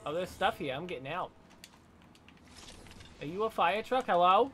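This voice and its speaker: A man's voice: high voice, animated, moderate pace, fairly bright tone, faint music behind. A man from Pennsylvania with an American accent, chatting casually and playfully as he streams a video game. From Pennsylvania, United States. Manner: goofy, playful. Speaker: gaming streamer. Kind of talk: casual joking game chat.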